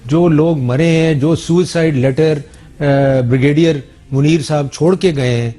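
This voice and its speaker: A man's voice: fairly high pitch, unhurried, mellow, faint music behind. A man with a Pakistani Urdu accent answering questions in a TV interview, insistent and defensive.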